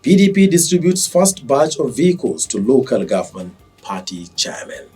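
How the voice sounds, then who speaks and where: A Nigerian man reading scripted television news as anchor, in a formal, measured manner. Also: mid-range voice, very animated, darkish tone, breathy edge, recorded from a distance, soft background music.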